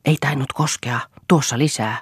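A woman's voice: very deep voice, breathy edge, no room sound, studio quality, heavily acted. Woman voicing an earnest, defiant wife. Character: wife, calm, quietly defiant. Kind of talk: audiobook reading.

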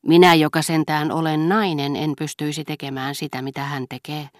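A woman's voice: low voice, level tone, dry recording, lightly acted. Woman doing a teasing young actress, cruel and playful, dry audiobook voice.

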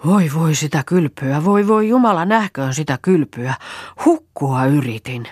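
A woman's voice: very deep voice, no echo, clean studio sound. A woman voicing a fretful, grumbling young countrywoman who wails and mutters complaints, in a storybook reading.

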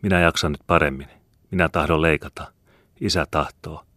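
A man's voice: very deep voice, steady tone, bright, forceful tone, no room sound, clean studio sound, full character voice. A man reading the part of a frail, pale woman in her mid-thirties in an audiobook, speaking weakly and pleadingly. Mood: weak, dutiful. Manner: weak, pleading.

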